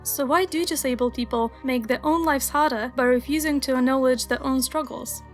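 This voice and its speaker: High-voiced young woman narrating a video essay. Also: moderate pace, soft background music. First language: Russian. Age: young adult. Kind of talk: scripted voice-over narration.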